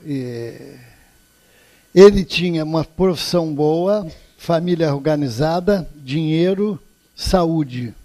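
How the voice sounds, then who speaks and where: An older Brazilian man lectures earnestly at a spiritist center, standing before an audience in an indoor hall. His voice is slightly high, slow and mellow, and he tells stories with emphasis.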